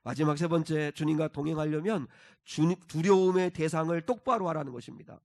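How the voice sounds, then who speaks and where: A pastor with a slightly high voice preaches briskly, shifting between quiet asides and loud, emphatic exhortation. He also leads the congregation in reading scripture.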